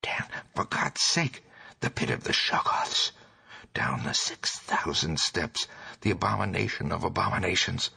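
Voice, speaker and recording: Hysterical, husky-voiced raving madman. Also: low-pitched, expressive, a little slow, pushed and bright, voice pushed up, full character voice. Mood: terrified raving. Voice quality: hoarse, breathy rasp breaking into shrieks. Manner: hysterical, gasping, half-incoherent outbursts. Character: frenzied male madman raving in terror of unholy horrors. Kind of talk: dramatic horror audiobook reading.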